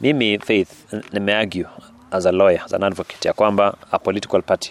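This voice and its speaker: A man with an ordinary speaking voice and a fairly low pitch talks at a fairly quick pace. The sound is dry and close, with no echo. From Kenya, Elgeyo Marakwet. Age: 30s. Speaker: lawyer and parliamentary candidate. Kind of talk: interview.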